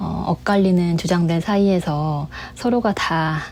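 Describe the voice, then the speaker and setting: Somewhat breathy, a woman speaks with a dark, mellow tone, a fairly low pitch and fairly even intonation. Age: 40s. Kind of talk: personal vlog monologue. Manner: frequent filler hesitations.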